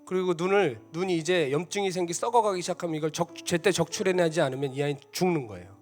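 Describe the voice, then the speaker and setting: Male missionary preacher, slightly high voice, animated storytelling sermon, quiet instrumental bed. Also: fast. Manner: animated, acts out quoted voices, drops to a soft hush. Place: church sanctuary. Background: soft instrumental music.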